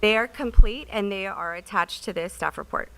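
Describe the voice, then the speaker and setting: A woman's voice: mid-range voice, normal speed, a bit bright, a little hiss or hum, rough recording. A woman answering questions as a staff member at a public meeting, practical and matter-of-fact. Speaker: city staff member presenting a project.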